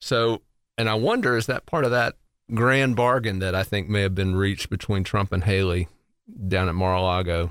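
A plain, everyday voice from a man, fairly low in pitch, with ordinary pitch variation, a moderate pace and very even loudness, in a very clean recording over a silent background. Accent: American. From South Carolina Pee Dee, Midlands. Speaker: news website founder. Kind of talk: interview.

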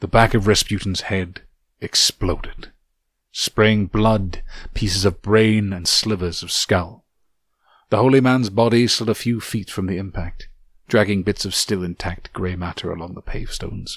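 A normal speaking voice at a moderate pace with fairly even intonation, in a very clean recording with a silent background. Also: man, fairly low pitch for a man. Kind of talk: horror audio drama narration. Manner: tense and pained, rising and falling with the torture scenes.

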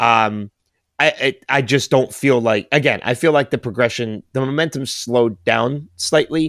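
Recorded very cleanly with a silent background and a dry, close sound without echo, a man with an ordinary speaking voice talks at a moderate pace with lively intonation. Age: 40s. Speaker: podcast host. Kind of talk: casual chat.

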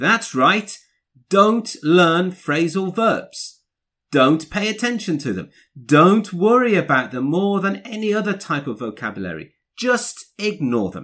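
A man speaks at a fairly slow pace with a British accent and a high pitch. His intonation is lively and his tone bright and sharp. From UK. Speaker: English teacher podcaster. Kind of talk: educational podcast monologue. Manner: clear, deliberate for learners.

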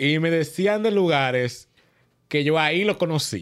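In a very clean recording over a silent background, a man talks at a fairly slow pace with lively intonation. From Dominican Republic, Moca. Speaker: doctor. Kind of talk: interview.

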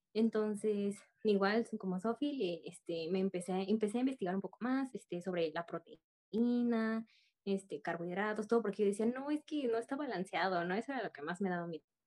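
A woman with a Mexican accent talks at a fairly quick pace in a medium pitch with ordinary variation, the sound dry and close with no echo. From Mexico. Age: 20s. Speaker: nutrition student. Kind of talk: podcast interview testimony.

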